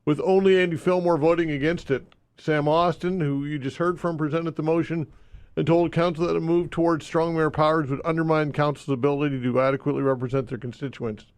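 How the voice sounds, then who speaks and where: A man's voice: on the high side, fairly even intonation, a little fast, no room sound. A man hosting a talk radio show in a studio, speaking emphatically and repeating the call-in details. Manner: emphatic, repeats phone number. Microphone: studio microphone.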